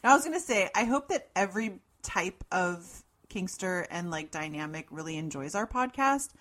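A middle-aged woman with a deep voice, co-hosting a podcast in casual banter with dry, understated interjections. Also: lively intonation, moderate pace, a bit bright. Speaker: podcast co-host.

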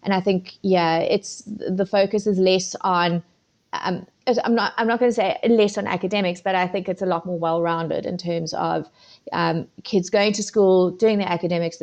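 A middle-aged woman with a South African accent talks through her answers in a fairly low voice. She rambles, restarts her sentences and fills the gaps with ums, like a relaxed podcast guest. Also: moderate pace, gravelly. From Zimbabwe and South Africa. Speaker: podcast guest, food photographer.

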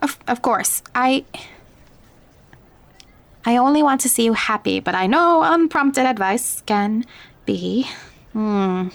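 Caring, higher-voiced motherly Latina confidante. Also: expressive, takes it slowly, creaky, pauses often, full character voice. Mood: gently worried. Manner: gentle, code-switches into Spanish. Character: caring, probing motherly Latina confidante, teasing but gentle. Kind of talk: naturalistic fiction podcast acting.

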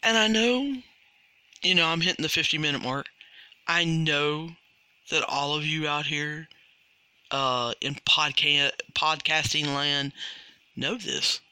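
A man hosts a coaching podcast in an unhurried, earnest monologue, pressing his listeners with rhetorical questions. His voice has a piercingly bright, tense edge, and the recording is close and dry. He often stumbles and repeats a word before finishing his thought. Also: a little high, smooth, dry recording. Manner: repeats words and restarts.

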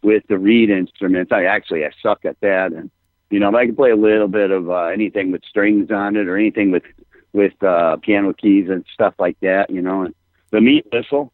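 A man's voice: lowish voice, fairly even intonation, brisk, no echo, narrow, tinny audio. A man with a Chicago accent, a musician guest rambling casually in an interview, often repeating words.

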